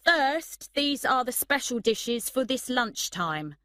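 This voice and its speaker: A woman voicing a brisk male restaurant manager. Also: high voice, big pitch swings, pushed and bright, no room sound, clean studio sound, pitched above the performer's own voice, full character voice. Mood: announcing. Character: male restaurant manager briefing his staff.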